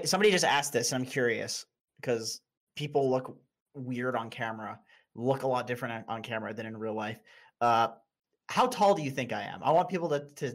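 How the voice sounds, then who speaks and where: A man's voice: medium pitch, a bit bright. Young man, casual stream chat, blunt, laughs a lot, stumbles over words.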